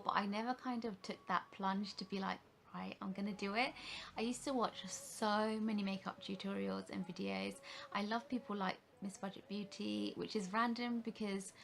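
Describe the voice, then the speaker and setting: A UK woman in her thirties, a makeup vlogger, rambles casually to camera with many fillers and restarts. Her mid-range voice is fairly bright with vocal fry, and a little hiss or hum is audible.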